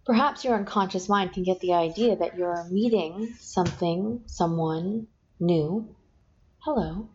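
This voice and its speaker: A woman hypnotist talks the listener down into trance with slow, soft, repeated suggestions. Her voice sits low and mellow. The recording is dull and lo-fi, with a faint hiss underneath. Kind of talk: guided hypnosis session. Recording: dull lo-fi sound with faint noise.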